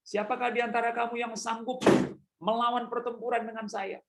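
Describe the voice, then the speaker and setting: A man's voice: very high-pitched, level tone, brisk, creaky, very noisy, pitched above the performer's own voice. A man voicing a boastful giant warrior who calls out a challenge to an army. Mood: taunting.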